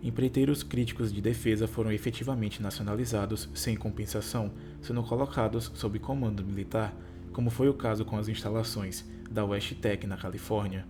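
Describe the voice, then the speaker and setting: The narrator here is a Brazilian Portuguese-speaking man making a YouTube video, his lowish voice brisk and fairly even in intonation. He reads scripted narration and gives viewers a casual sign-off while music plays behind him. A tongue-tie impediment gets in the way of consonants such as R, S, T and L.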